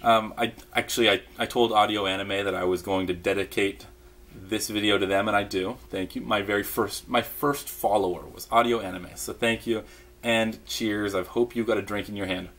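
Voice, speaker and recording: A man casually rambling to camera about his past, relaxed and chatty with lots of fillers and restarts, sipping a beer as he talks. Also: fairly low pitch, normal speed. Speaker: vlogger recalling mission in Japan. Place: indoors at home, in pajamas.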